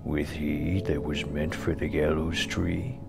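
A man voicing a sly, coldly mocking hangman in a dramatic poem, with a slow, taunting, gravelly rasp. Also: very deep voice, little pitch movement, over music, pitched below the performer's own voice, full character voice. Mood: sly, ominous. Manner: slow, drawn-out, taunting delivery. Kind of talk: dramatic poetry recitation.

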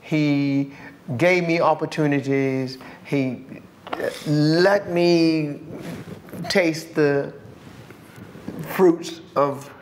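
A woman's voice: sits low, extremely slow, long pauses, a little hiss or hum. An older woman with an American accent, a singer chatting as an interview guest, telling stories with lots of restarts and repeated words. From USA. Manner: animated storyteller, frequent restarts and repeated words. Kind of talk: casual interview chat.

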